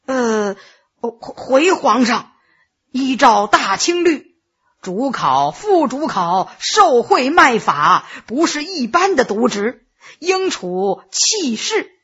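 A man's voice: extremely high pitch, big pitch swings, slow, bright, forceful tone, husky, muffled recording, exaggerated voice. A woman voicing a nervous court official who answers the throne hesitantly and with deference. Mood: fearful. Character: nervous middle-aged male court official.

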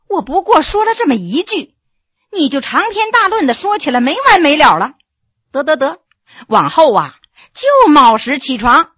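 A woman's voice: high voice, pushed and bright, dry recording, clean studio sound, heavily acted. A woman doing a coquettish young noble wife. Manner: coquettish, scolding, chatty.

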